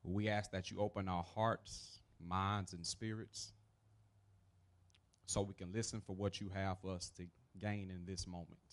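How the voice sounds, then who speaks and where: A man, a youth reverend, saying a blessing in a measured, solemn manner, phrase by phrase, into a handheld mic. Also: low voice, flat delivery. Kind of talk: public prayer, blessing. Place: outdoors under a large event tent. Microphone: handheld mic through PA speakers.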